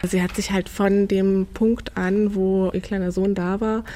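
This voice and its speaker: A woman, a social worker, calmly explaining in an interview. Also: medium pitch, measured pace.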